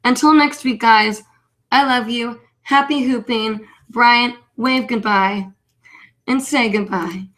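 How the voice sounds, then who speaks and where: A woman's voice: on the high side, takes it slowly, fairly bright tone. A woman hosting a casual live online show, chatting in a rambling, self-deprecating way. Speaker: host of a weekly live online hobby show. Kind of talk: casual livestream chat.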